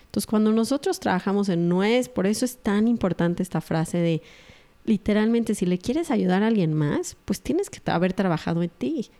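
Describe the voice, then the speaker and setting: A middle-aged woman talks earnestly to an audience about raising her children. Her voice is mellow and relaxed, at a middling pitch, and she acts out what others say as she goes. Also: moderate pace. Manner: earnest, acts out quoted dialogue. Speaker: mother sharing parenting advice. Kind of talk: reflective talk to an audience.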